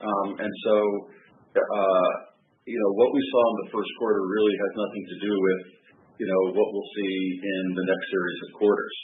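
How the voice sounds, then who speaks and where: A very deep-voiced man speaking as a bank executive on an earnings call. He talks in a measured way, with many fillers. His voice comes through a thin, tinny phone line with a roomy echo and a faint hiss behind it. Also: little pitch movement. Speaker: bank executive answering analysts.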